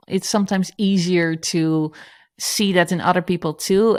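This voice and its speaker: Dutch-accented woman, chatty and lowish. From Netherlands. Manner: chatty, self-correcting, laughs easily. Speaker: guest entrepreneur. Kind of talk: casual interview.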